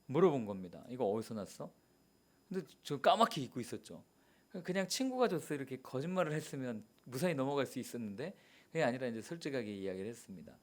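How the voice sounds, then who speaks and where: A man's voice: mid-range voice, big pitch swings, fast talker. A male pastor giving a sermon, telling a childhood story and then rising to emphatic preaching. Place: church sanctuary.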